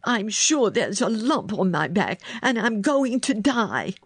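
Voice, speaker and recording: A woman's voice: a little high, lively intonation, measured pace, a little mellow, husky, no room sound, clean studio sound, voice pushed up, full character voice. A woman voicing a spoiled, sickly young boy in a storybook, whining and fearful with dramatic flair. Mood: petulant, angry.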